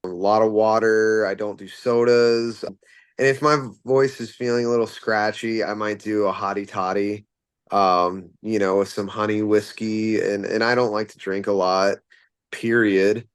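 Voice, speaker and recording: A man's voice: fairly low pitch, flat delivery, measured pace, clean tone, no room sound. A man who fronts a rock band, answering interview questions casually and rambling with plenty of fillers and restarts.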